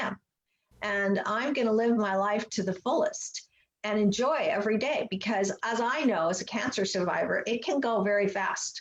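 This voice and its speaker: This woman has an ordinary speaking voice, pitched fairly high, and talks at a moderate pace. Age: 60s. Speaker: co-author and former radio host. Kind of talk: interview.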